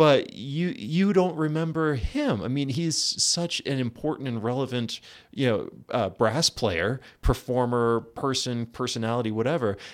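Using an ordinary speaking voice, a man with an American accent and medium pitch speaks at a fairly slow pace with lively intonation. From US Northeast. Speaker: podcast host. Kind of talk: interview conversation.

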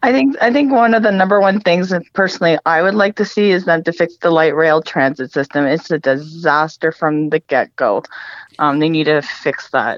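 Her voice plain and everyday, a woman speaks at a fairly low pitch and a moderate pace, with lively intonation and very even loudness. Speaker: caller. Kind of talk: phone call on radio. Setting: phone call.

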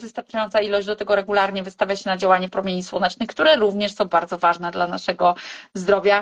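Here a woman talks at a very fast pace in a medium pitch. The sound is dry and close, with no echo. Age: 40s. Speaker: dietitian. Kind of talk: live stream interview.

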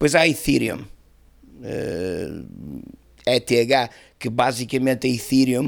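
A man's medium-pitched voice with vocal fry and lively intonation, at a very slow pace with long, frequent pauses. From Portugal, Porto. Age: young. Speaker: entrepreneur. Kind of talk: casual chat.

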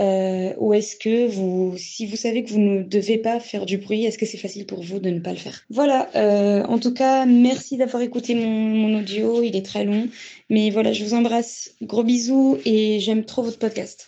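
At a fairly slow pace, a woman speaks in a dark, mellow tone, her fairly high pitch held to fairly even intonation. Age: 20s. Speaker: student. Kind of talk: voice message. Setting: phone call.

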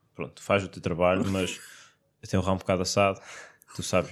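In a very clean recording with a silent background, a man with a very deep, low pitch talks at a very fast pace, with long, frequent pauses and big swings in loudness. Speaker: podcast co-host. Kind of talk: casual chat.

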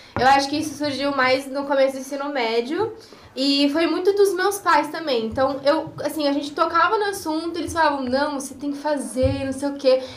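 Her pitch high and her variation ordinary, a woman speaks at a moderate pace with room echo audible. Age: 20s. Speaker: university student. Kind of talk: casual chat. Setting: studio.

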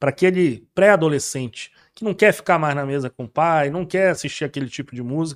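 With an ordinary speaking voice, a man talks at a fairly quick pace in a fairly high pitch with ordinary pitch variation. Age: 50s. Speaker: social club president. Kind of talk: podcast interview.

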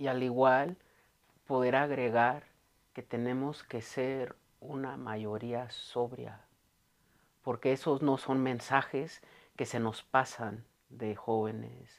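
A man talks at a very slow pace in a monotone, flat intonation. He leaves long, frequent pauses. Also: medium pitch for a man, very clean recording, silent background. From Denver, Colorado, US (Mexican-American family). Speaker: cultural center executive director. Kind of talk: interview.

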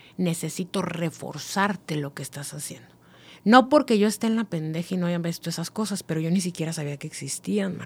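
The recording is very clean, with a silent background. A woman with a fairly low, somewhat breathy voice speaks at a fairly quick pace, her pitch varying in an ordinary way and her loudness swinging widely. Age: 30s. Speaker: business owner. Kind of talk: casual interview.

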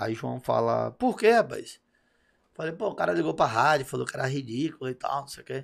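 A man at a moderate pace. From Bahia, Brazil (Salvador and Feira de Santana). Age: 30s. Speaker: sports reporter. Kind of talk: casual chat.

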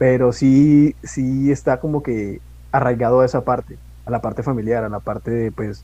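A man with a Colombian accent, at a fairly slow pace. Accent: Colombian Spanish, unlike a certain singer's. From Colombia (born Barranquilla, lives near Bogotá). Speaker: guest, coworker. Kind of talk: casual chat. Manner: halting, many repeated words.

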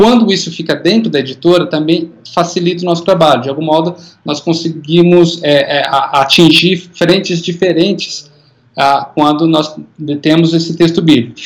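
A man with a high pitch speaks at a moderate pace, his intonation fairly even. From interior of São Paulo state, Brazil. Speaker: book editor. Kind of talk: interview. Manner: hesitant with frequent fillers.

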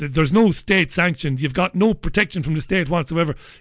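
Against a quiet background, a man with an Irish accent talks at a fairly quick pace in a fairly high pitch, his bright, sharp tone carrying lively intonation and vocal fry. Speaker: radio host. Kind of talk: casual chat. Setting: studio. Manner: animated.

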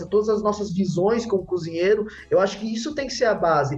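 A man's high-pitched voice, with ordinary pitch variation, at a moderate pace. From Bragança Paulista, São Paulo state, Brazil. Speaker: chef. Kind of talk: casual chat.

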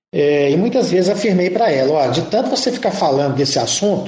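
With audible room echo, a man talks at a moderate pace in a high voice. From Minas Gerais, Brazil. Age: 50s. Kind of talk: pre-recorded testimony.

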